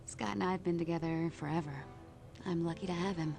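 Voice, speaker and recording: Calm, welcoming heroine guide. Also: female voice, fairly low pitch, brisk, gravelly, music in the background. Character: calm adult woman mutant team guide. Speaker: game character giving a house tour.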